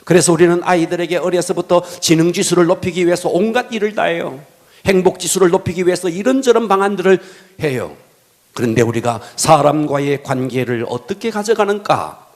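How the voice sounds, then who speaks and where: A pastor with a high voice and a slightly fast pace preaches animatedly, telling illustrative stories to the congregation. His sentences trail off into a whisper at the ends.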